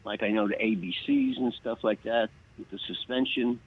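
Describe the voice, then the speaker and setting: A man's voice: on the low side, huge pitch swings, moderate pace, slightly rough. A man calling in to a talk show to ask for advice, hesitant and speaking in fits and starts. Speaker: caller. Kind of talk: phone-in question. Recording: dull muffled phone line.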